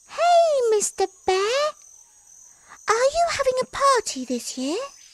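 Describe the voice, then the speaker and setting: A put-on character voice, squeaky and extremely high, swings very widely in pitch at a fairly slow pace. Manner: cheeky, curious.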